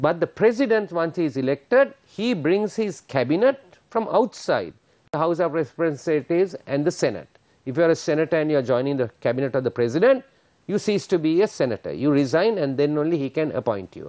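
A man's fairly high, dark and mellow voice at a very fast pace, with very wide pitch swings, over a quiet background. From Sri Lanka. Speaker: opposition politician, former banker. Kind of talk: TV interview. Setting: TV studio. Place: studio. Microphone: lapel.

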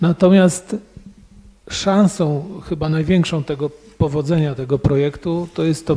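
A man in a plain, everyday voice, fairly high in pitch, at a fairly slow pace with ordinary pitch variation. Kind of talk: remarks at public meeting. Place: meeting room. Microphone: podium.

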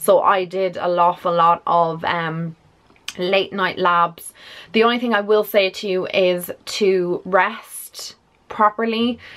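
A woman at a very slow pace, with fairly even intonation. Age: 30s. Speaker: beauty vlogger. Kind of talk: casual vlog Q&A. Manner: chatty, rambling. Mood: calm, open, personal. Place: home room. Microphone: camera far.

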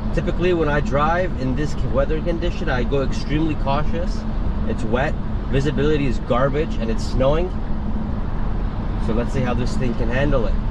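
Amid loud background noise, a man talks at a fairly quick pace, the sound dry with no echo. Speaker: car vlogger. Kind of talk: casual vlog chat. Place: car. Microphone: camera far.

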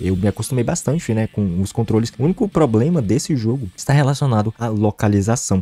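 With music in the background, a man talks at a very fast pace, his pitch fairly low with ordinary variation, in a dry, close sound with no echo. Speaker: gaming youtuber. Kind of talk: tech review. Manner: casual.

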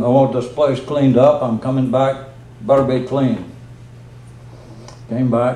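In a room with audible echo and light background noise, a man speaks at a medium pitch and moderate pace with monotone, flat intonation. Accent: American. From United States. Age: 80s+. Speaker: retired space program engineer; war veteran. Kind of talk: storytelling talk to an audience. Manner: plain-spoken, folksy. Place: hall. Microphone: podium.

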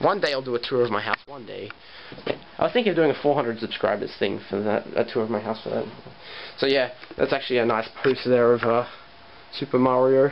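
A man's medium-pitched voice at a fairly quick pace, ordinary pitch variation, long, frequent pauses and noticeable background noise. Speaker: gaming YouTuber. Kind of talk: casual vlog. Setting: home bedroom. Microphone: poor audio quality.

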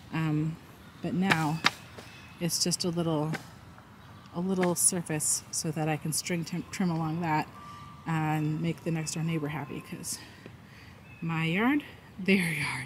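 Speaking at a fairly slow pace in a monotone, flat way, a woman leaves long, frequent pauses over noticeable background noise, with a dry sound and no echo. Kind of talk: casual vlog chat. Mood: cheerful, chatty. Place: garden. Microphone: phone near.

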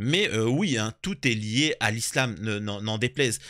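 A man speaks in a bright, sharp tone. Behind him the background is quiet. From Algerian heritage, France. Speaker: political news commentator, online video host. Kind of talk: political commentary monologue. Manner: hesitant, many filler words. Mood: assertive, emphatic.

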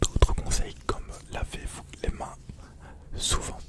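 A man whispers, keeping a moderate pace. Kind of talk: roleplay advice, ASMR-like soft talk. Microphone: studio mic.

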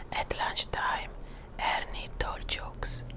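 Someone is whispering, soft-spoken, at a very slow pace. Noticeable background noise sits behind the voice. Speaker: storybook reader. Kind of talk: reading a children's story aloud. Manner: soft whispered bedtime-story reading.

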